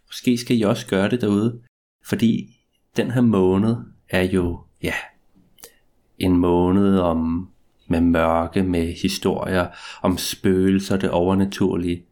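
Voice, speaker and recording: A man's voice: low-pitched, fairly even intonation, darkish tone. A man casually introducing a storytelling podcast as its host.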